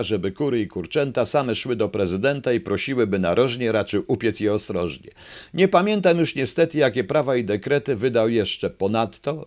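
A man voicing a sly, scheming male fox who gives a pompous rhyming campaign speech in a raised, louder voice. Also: lowish voice, close to an everyday voice. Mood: commanding.

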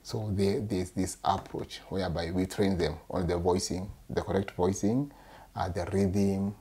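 A middle-aged man from Kenya, a speech therapist, explaining treatment in an earnest, halting way in a small office, recorded by a camera across the desk. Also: deep voice, warm tone, breathy edge. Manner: earnest, repeats yes often, halting phrasing. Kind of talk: explaining in an interview.

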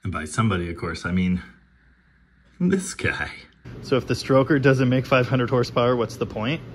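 Animated man explaining engine work. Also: mid-range voice, normal speed, slight background noise. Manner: animated, wry, talks with his hands while showing parts. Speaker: host of a garage engine-building channel. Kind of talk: casual explanatory workshop commentary. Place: cluttered home garage workshop, indoors.

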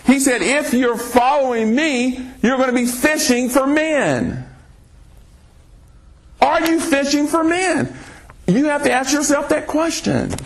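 A man delivers a slow, deliberate sermon in a high voice, and his pitch leaps up and drops away for emphasis. He quotes scripture and keeps asking the listener pointed questions. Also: very animated. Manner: preaching with rhetorical questions and scripture readings. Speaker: preacher. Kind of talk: sermon podcast.

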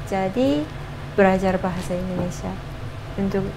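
A young Japanese woman chatting casually as a foreigner speaking halting Indonesian with a Japanese accent and interjections from her native language. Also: medium pitch. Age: young adult. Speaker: co-host of couple's vlog. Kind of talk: casual chat. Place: small home kitchen, indoors. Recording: noticeable background noise, home kitchen.

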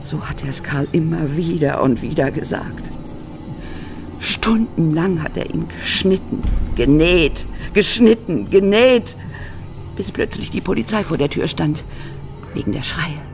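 An embittered Hollywood actress in a horror audio drama. She tells her frightening past in halting, dramatic phrases. Faint music runs behind her. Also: deep voice, creaky. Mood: bitter, agitated. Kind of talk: German horror radio play acting.

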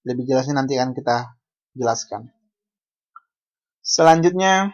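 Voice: medium pitch, expressive, darkish tone, lo-fi sound. A university lecturer from Bali gives an online language lecture over a video call. They ask the class questions and correct themselves as they go. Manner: unhurried, asks the class questions, self-correcting.

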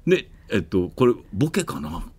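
A man's voice: lowish voice, moderate pace, slightly rough. A middle-aged man with a Kansai accent chatting casually as a radio host, acting out quotes as he tells stories. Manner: animated storyteller, acts out quotes. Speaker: radio show host, announcer. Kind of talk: casual studio chat.

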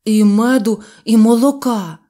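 A woman's voice: mid-range voice, measured pace, mellow, close to an everyday voice. A woman voicing a greedy, good-natured male bear cub who talks eagerly and stammers, for a storybook.

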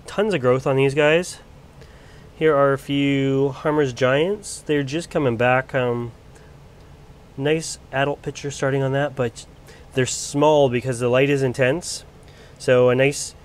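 Male grower, recovering from a cold, chatty and unpolished, off-camera handheld vlog voice. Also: mid-range voice. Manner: chatty, loose, lots of ums and restarts. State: getting over a cold. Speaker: plant grower showing his collection. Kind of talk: casual filmed walk-through. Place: indoor grow area under bright lights.

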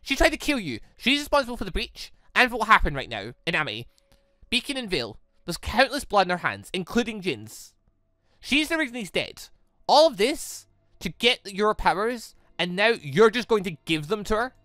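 An indignant young heroine from a visual novel, acted by a man. The voice is accusing and incredulous, swinging in pitch with a sharp, bright edge. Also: big pitch swings, moderate pace, dry recording, full character voice. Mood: outraged, accusing. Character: indignant, righteous young warrior woman.

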